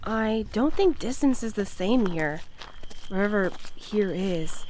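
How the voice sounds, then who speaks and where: Female courier played by a woman: shrewd, probing, steady, animated delivery, faint night ambience, audio drama. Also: medium pitch, slow pace, a little hiss or hum, low-quality recording. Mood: wary. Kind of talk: scripted audio drama acting. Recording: faint cricket ambience behind voice. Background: crickets and night sounds.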